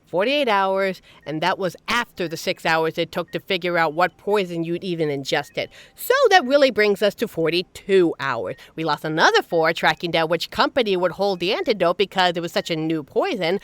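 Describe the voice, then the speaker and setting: A woman's voice: on the low side, animated, normal speed, few pauses, dry recording, lightly acted. A woman playing a fiercely protective secret agent in an emotional, emphatic dramatic audio roleplay. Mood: tense, subdued. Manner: emotional, scolding, emphatic, swearing. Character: normally suave female secret agent, fiercely protective, angry and anguished. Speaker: voice actor in a scripted audio roleplay.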